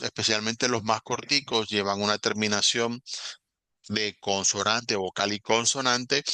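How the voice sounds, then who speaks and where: Bright-voiced man teaching grammar. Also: on the low side, creaky, dry recording. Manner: patient, explanatory, step-by-step. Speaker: English teacher. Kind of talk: recorded online lesson.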